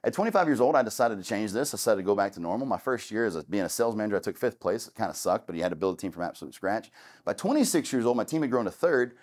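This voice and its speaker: In an animated, racing delivery, this real estate investor with a lowish, slightly mellow voice shares his origin story with a room of students. The talk is candid and chatty, punctuated by frequent restarts and "long story short."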